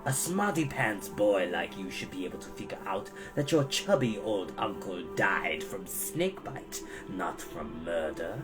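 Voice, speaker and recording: A reader voicing a menacing adult male villain who talks slowly in a low, whispery snarl. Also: lively intonation, over music, poor audio. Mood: mocking.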